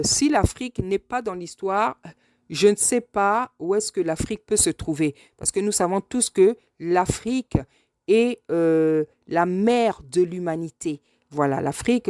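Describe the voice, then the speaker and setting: Earnest woman, mellow dry voice, repeating herself. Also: on the low side, no echo. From France. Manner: hesitant, repeats phrases for emphasis. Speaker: speaker addressing a video message to a politician. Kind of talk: spontaneous spoken address, earnest monologue.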